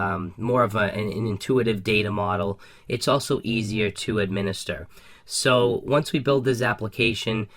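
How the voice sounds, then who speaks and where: Upbeat man with a bright, slightly raspy voice. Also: fairly low pitch. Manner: upbeat, casual, frequent ums and restarts. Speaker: coding tutorial host. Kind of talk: screen-recorded coding walkthrough.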